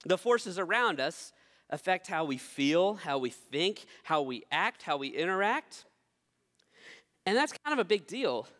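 A young man delivers a sermon. He keeps it conversational and pokes fun at himself. His voice sits a little high and carries a long reverb, as if filling a large sanctuary. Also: fairly bright tone. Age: 20s. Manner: conversational, self-deprecating humor. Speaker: pastor.

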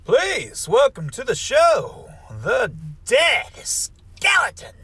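A man's voice: very high voice, huge pitch swings, slow, pushed and bright, breathy edge, dry recording, heavily acted. A man playing an eccentric doctor who hosts a horror show, talking in a theatrical, playfully macabre way. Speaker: show host. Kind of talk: in-character horror podcast banter.

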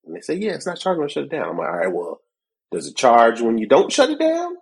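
A man's voice: mid-range voice, wildly swooping pitch, fast, gravelly, husky. A man co-hosting a tech podcast in casual chat, a bit congested from a cold, who laughs often and acts out both sides of conversations. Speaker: podcast co-host.

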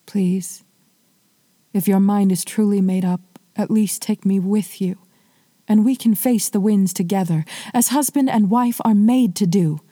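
A woman voicing an anguished young queen who pleads with her husband in a storytelling podcast, in a dark, close voice. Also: medium pitch, moderate pace, no echo, natural voice. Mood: whispered pleading.

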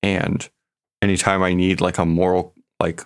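A man co-hosting a podcast in casual, emphatic conversation with a gravelly, creaky voice. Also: sits low, flat delivery, normal speed. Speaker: podcast co-host.

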